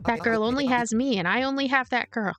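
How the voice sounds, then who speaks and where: Woman voicing a shrill, fierce old woman. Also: a little fast, a bit bright, faint music behind, close to an everyday voice. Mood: bitter, defiant. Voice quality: shrill, wheezing. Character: fierce, ranting wounded elderly woman gunfighter.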